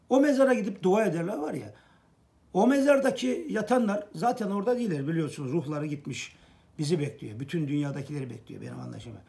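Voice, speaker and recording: A man's voice: a little high, gravelly, darkish tone. A middle-aged man gives an earnest, preachy fan monologue to camera, repeating phrases for emphasis. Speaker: football fan vlogger.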